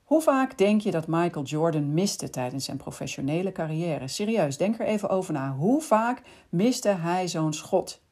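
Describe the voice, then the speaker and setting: A woman hosting a podcast, calmly explaining in scripted narration and speaking directly to the listener. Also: on the low side, moderate pace, hardly any pauses. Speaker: podcast host.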